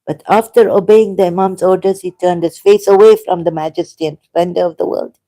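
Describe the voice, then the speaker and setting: A non-native English speaker hosting a solo video, rambling casually in a halting, giggly, digressive way and reading out bits of anecdote. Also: mid-range voice, steady tone, mellow, low-quality recording. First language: not English.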